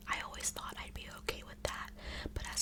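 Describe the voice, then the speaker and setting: Someone is whispering at a fairly quick pace. Noticeable background noise can be heard. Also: woman. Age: 20s. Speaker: ASMR content creator. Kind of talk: casual talk to camera. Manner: whispered, rambling.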